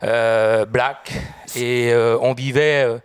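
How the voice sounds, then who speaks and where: A man's voice: medium pitch, steady tone, takes it slowly, clean tone, dry recording. A middle-aged man from France, answering a studio interview with many fillers and growing earnest as he speaks. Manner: hesitant, many fillers, grows more earnest. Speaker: guest, restaurant group founder. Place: studio set with audience. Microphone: handheld mic.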